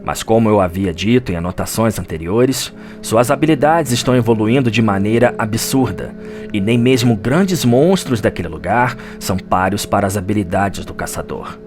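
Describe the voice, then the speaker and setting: A man's voice: lowish voice, expressive, normal speed. A man with a Brazilian accent giving a solemn, dramatic scripted narration for an audio drama, like a chronicler telling a story. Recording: music under the voice. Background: background music.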